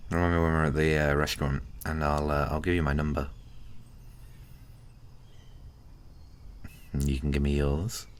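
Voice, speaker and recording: A man playing an easygoing, gently teasing giant friend in a casual, hesitant, intimate ASMR roleplay. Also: rumbling low, level tone, smooth. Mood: shy, friendly. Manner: hesitant, chuckling, unhurried casual talk.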